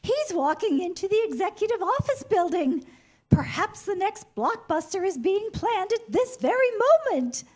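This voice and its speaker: A woman playing a bubbly, excitable tour guide in a staged comedy reading, announcing to her group. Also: very high-pitched, normal speed. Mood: excited.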